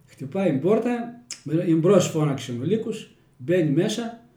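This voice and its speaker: A man with a Kozani accent telling village folk tales in a homely, folksy way. His voice is mellow and dark, a little higher than usual for a man. The room is roomy and echoey. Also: expressive. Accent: Kozani Greek dialect. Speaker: storyteller interviewee.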